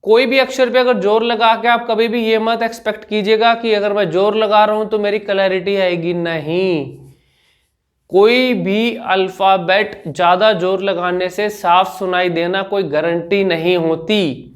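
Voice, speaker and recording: A man, a speech coach giving an instructional vlog, patiently explaining and demonstrating sounds by repeating syllables slowly. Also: high voice, fairly even intonation. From India.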